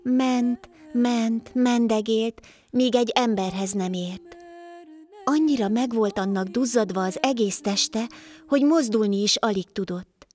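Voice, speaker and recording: A woman reading a folk tale aloud for children, steady and rhythmic. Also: on the high side. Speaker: storyteller.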